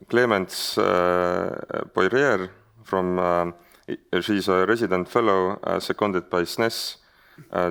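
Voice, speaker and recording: A man's voice: low voice, vocal fry, clean tone. A man with an Estonian accent moderating a conference panel, speaking hesitantly with many fillers and restarts. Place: conference hall stage.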